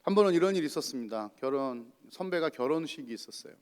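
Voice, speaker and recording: A man's voice: on the high side, animated, fast, clean tone. A male pastor giving a sermon and asking the congregation rhetorical questions. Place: church. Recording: long church reverb.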